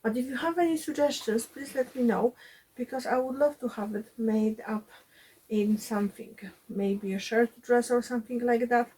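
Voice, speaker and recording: A woman's voice: a little high, moderate pace, mellow, slightly rough, low-quality recording. A woman vlogging about sewing from her cottage home, chatty with frequent fillers, her voice a bit chesty while recovering from illness. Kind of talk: casual sewing vlog.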